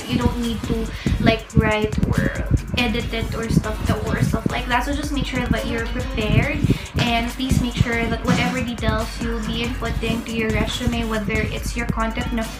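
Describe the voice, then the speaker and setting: Filipino woman, higher voice, over loud music. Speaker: recruiter giving interview advice. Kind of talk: casual interview chat. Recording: roomy echo, loud music behind. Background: loud background music.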